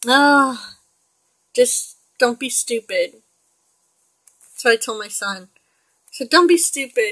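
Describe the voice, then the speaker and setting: A woman speaks at a very slow pace with long, frequent pauses and big swings in loudness. Her high-pitched voice has a bright, sharp tone and ordinary pitch variation, with a dry, close sound and no echo. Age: 40s. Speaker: digital artist. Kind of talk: live-stream drawing tutorial. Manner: animated.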